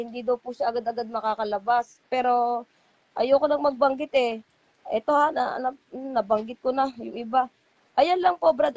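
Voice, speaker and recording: A woman's voice: sits high, darkish tone, no room sound, dull audio. A middle-aged woman, talking as a guest in a heartfelt, rambling way and acting out what others said to her. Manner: rambling, heartfelt, quotes others in their voices. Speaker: guest, former church member. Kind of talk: emotional call-in interview.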